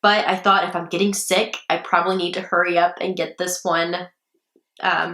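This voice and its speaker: A woman's voice: fairly low pitch, sharp tone. A young woman hosting a true crime podcast, chatting casually with many ums and restarts, her voice a little strained from getting sick. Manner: chatty, rambling, with many ums and self-corrections. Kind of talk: casual chat. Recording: echoey room.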